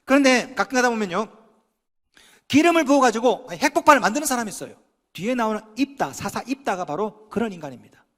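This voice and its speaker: A pastor preaching a sermon in an animated way, acting out quoted dialogue and putting questions to the congregation. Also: male voice, extremely high pitch, fast, long reverb tail.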